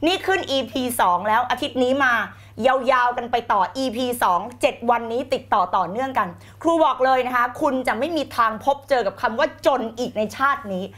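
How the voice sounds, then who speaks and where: A woman teaching the law of attraction on a live stream, energetic and emphatic, repeating key phrases and slipping in English words. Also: high voice. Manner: mixes in English words, blunt slang.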